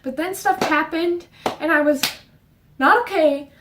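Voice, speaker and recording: A young woman with a high voice chats about books in a rushed, rambling way, audibly out of breath. She sounds set back from the mic in an echoey bedroom. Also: recorded from a distance, noisy background. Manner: fast, rambling, with fillers and restarts. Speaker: book vlogger. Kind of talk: casual book chat. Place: her bedroom.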